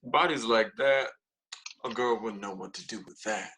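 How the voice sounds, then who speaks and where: A man's voice: lowish voice, moderate pace, background noise, lightly acted. A man playing a wry, catty young gay man in a script read-through. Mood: admiring, wry.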